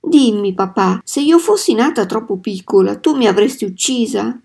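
A distraught eight-year-old farm girl from a storybook, begging tearfully and refusing to back down, as a woman reader gives her voice. Her tone is soft and mellow rather than sharp, and her pleas come out slow and insistent. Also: a little high, lively intonation, gravelly, husky, full character voice. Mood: pleading.

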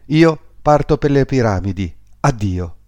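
A man's voice: on the low side, expressive, moderate pace, a little mellow, dry recording, natural voice. A man voicing a small, proud, chatty female swallow in a fairy tale, fussy and exclaiming. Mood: excited.

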